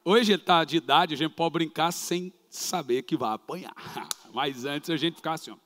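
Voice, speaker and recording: A man with a Brazilian Portuguese accent, a pastor telling a story in a sermon, lively and dramatic with shouted sound effects. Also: fairly high pitch, normal speed. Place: church. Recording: reverberant church hall.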